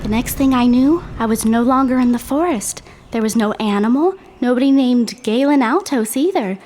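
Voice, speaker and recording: A woman's voice: on the high side, expressive, moderate pace, slight background noise, natural voice. An actress playing a sardonic, uneasy teenage schoolgirl who tells her eerie story in a wry, slangy, dramatic way. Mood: wry, eerie narration. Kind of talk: audio drama narration and dialogue. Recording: loud music under voice.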